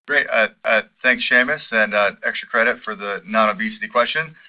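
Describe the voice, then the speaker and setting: A man's voice: on the low side, fairly quick. A man moderating an earnings call, handing questions along over muffled conference audio.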